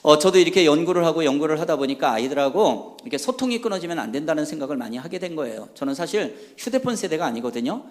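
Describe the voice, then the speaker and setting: A man's voice: fairly high pitch, animated, fast talker, few pauses. A middle-aged man giving a humorous seminar talk to a congregation, rousing the audience and acting out bits of dialogue. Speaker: church seminar speaker. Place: large church hall. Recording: long hall reverb.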